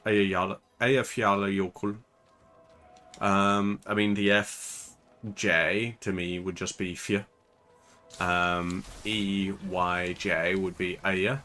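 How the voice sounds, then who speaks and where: A man's voice: low-pitched, little pitch movement, slow pace, bright, forceful tone, soft background music. An Irish man giving casual, rambling commentary while playing a game, with lots of fillers. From Ireland. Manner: rambling, chatty, many fillers. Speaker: gaming channel host.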